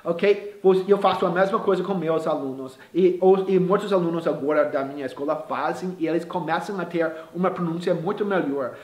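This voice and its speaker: A man who is a native English speaker, teaching a casual video lesson in Portuguese and slowing down to repeat words syllable by syllable. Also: sits high, a little mellow. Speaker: language teacher. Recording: roomy echoey room.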